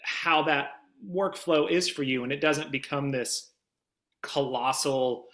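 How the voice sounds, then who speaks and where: Bright-voiced man chatting casually. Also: mid-range voice, slow. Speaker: demo producer, interview guest. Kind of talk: casual conversational explanation.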